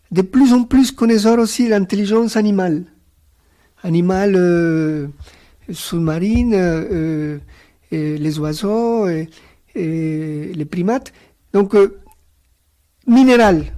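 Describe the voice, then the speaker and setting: A man whose first language is Spanish speaks as a guest author on a round-table panel. He's thoughtful and hesitant, with many pauses and fillers, and his reflective, philosophical remarks come in a high, warm voice.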